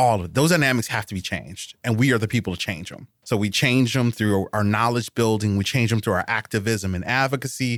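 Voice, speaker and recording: A man's medium-pitched voice with an American accent at a very fast pace, with ordinary pitch variation, in a dry, close sound with no echo on a very clean recording with a silent background. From Chicago, South Side. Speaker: podcaster and former teacher. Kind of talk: casual interview.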